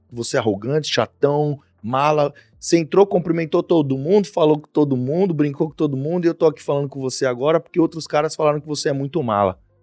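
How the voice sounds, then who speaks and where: A man rushes along at a very fast pace, his fairly high voice showing ordinary pitch variation. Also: dry, close sound with no echo. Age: 30s. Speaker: athlete and entrepreneur. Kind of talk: casual chat.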